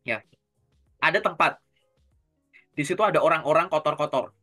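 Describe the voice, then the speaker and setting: A man coaching job seekers in a relaxed conversation, explaining with everyday examples and asking questions to check that his listener follows. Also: a little high, normal speed, soft background music. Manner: keeps tagging sentences with a casual filler. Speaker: career coach.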